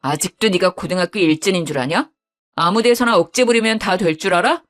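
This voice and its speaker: A woman voicing an angry young husband who scolds bluntly in a lowered voice. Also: fairly quick, faint music behind, lightly acted.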